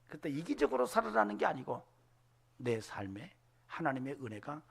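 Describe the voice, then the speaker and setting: A man preaching a Sunday sermon, animated, acting out voices and dropping to whispers. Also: on the high side, moderate pace, creaky, breathy edge. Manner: animated, acts out voices in quotes, drops to whispers. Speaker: pastor. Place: church sanctuary.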